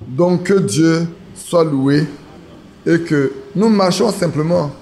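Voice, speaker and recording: A man's voice: fairly high pitch, slow, gravelly, a little mellow, slight background noise. A man preaching an informal sermon to his church, talking casually and asking the congregation questions. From Ivory Coast. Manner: conversational, asks the congregation questions. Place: church assembly.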